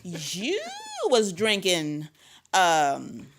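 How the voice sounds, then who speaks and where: A woman from Zambia talking in a casual chat as a podcast guest, emphatic and animated, with sudden high exclamations. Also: very slow, crowd noise.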